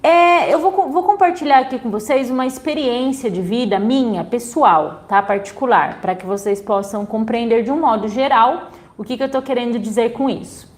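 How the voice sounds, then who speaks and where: A woman's voice: on the high side, moderate pace, hardly any pauses. A young adult woman with a Brazilian Portuguese accent, teaching an online sign language class in a chatty way, often adding "né?". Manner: chatty, frequent "né?" tags.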